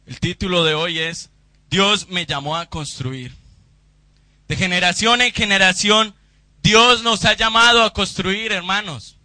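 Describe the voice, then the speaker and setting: High, bright-voiced fervent preacher man. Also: dry recording. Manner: fervent, swells to shouting in prayer. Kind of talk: Pentecostal sermon and prayer. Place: church service.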